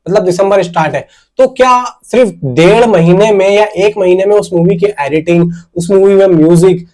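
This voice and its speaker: High-pitched man, casual commentator. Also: darkish tone. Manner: conversational, emphatic, repeats and rephrases his points. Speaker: YouTube film news commentator. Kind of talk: casual unscripted movie-update commentary addressed to viewers.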